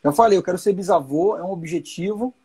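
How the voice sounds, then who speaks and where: A man's voice: sits high, fast talker, warm tone, slightly rough. A man in his forties hosting a live chat, explaining with reassurance and repeating key points. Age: 40s. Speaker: host.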